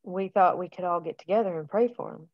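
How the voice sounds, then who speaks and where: A woman reading the part of a gentle, caring woman who organizes a camp, at a table read. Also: fairly low pitch, fairly quick, muffled recording.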